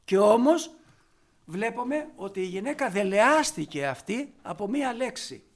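A man preaching a sermon, fervent, rising to loud emphatic peaks. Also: high voice, sing-song.

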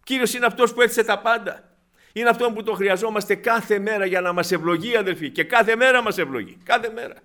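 Fervent Greek-speaking preacher man, higher voice. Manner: animated, swings between loud exclamations and hushed asides; addresses the congregation as dear brothers. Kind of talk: sermon.

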